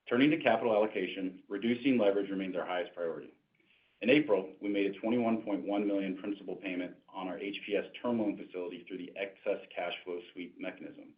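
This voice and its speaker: A man reading a scripted financial report as a company executive, in a formal corporate manner, on a conference call. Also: low-pitched. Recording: narrow tinny conference phone line.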